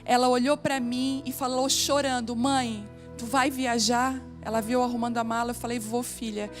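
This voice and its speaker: A woman's voice: a little high, little pitch movement, brisk, soft background music. A middle-aged Brazilian woman pastor preaching at a women's conference, telling personal stories and building to emphatic exhortation. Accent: Brazilian Portuguese. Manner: emotional, personal storytelling, rising to emphatic preaching. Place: church conference stage.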